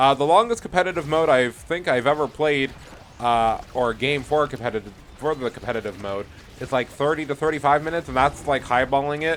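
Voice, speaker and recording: Talking at a very fast pace, a man with a fairly high pitch and ordinary pitch variation is heard over noticeable background noise. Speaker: gaming video creator. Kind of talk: casual commentary. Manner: slurring words; energetic.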